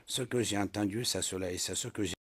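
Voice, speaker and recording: A man with a fairly low voice gives testimony in a courtroom. He answers firmly and keeps restating what he heard. His delivery is that of a witness under questioning. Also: fast talker, fairly bright tone, breathy edge, dry recording, studio quality. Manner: insistent, repeats his answers. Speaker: trial witness.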